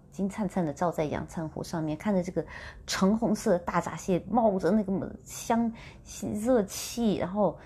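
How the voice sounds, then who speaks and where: A woman telling a personal story in a relaxed, chatty monologue and slipping English words in as she talks. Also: on the low side, slightly rough. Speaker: vlogger sharing spiritual practice.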